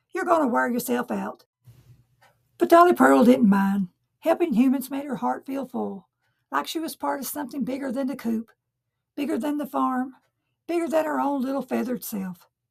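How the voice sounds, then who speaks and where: A woman with a Southern US accent speaks in a high, gentle, warm voice with lively intonation and long, frequent pauses. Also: moderate pace. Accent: Southern American. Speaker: storyteller. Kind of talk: story narration.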